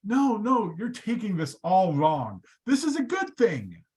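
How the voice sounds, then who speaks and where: A man voicing Moses as he eagerly pleads with God, his voice climbing high in a retold story. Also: unhurried, full character voice. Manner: excited, wheedling.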